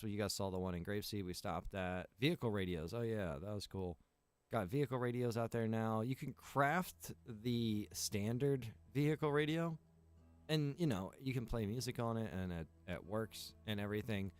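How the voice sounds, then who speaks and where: A man with a low, smooth and resonant voice chats loosely on a livestream and walks through his game server's new features. He rambles, fills pauses with "uh" and "like", and ticks items off one by one while faint music plays underneath. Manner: rambling, filler-heavy, lists features one by one. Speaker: game server owner and developer. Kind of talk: casual livestream chat.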